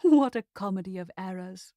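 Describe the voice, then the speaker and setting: A woman reading a comic Regency romance as an expressive audiobook narrator. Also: mid-range voice, moderate pace, no room sound, clean studio sound.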